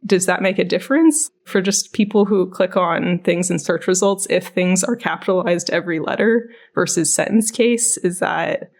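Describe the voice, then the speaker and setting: Female podcast co-host, slightly low voice, informal and conversational. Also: normal speed, hardly any pauses. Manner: informal, frequent "like". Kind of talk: casual chat.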